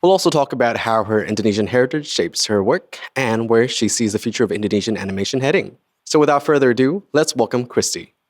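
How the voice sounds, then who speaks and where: A man hosting a podcast, introducing his guest and asking questions in a relaxed, chatty way with fillers and restarts. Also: medium pitch, fast, hardly any pauses, no room sound, clean studio sound. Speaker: podcast host. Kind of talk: casual interview.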